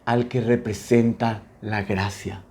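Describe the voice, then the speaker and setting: A male pastor, preaching a sermon with feeling, swinging between loud bursts and hushed lines. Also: on the low side, flat delivery, slow.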